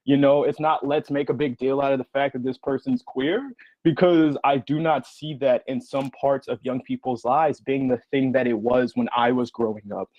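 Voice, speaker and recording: A man's voice: medium pitch, dry recording. Man on a dull, lo-fi connection. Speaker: podcast creator, panel guest. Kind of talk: conversational panel answers. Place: remote online panel.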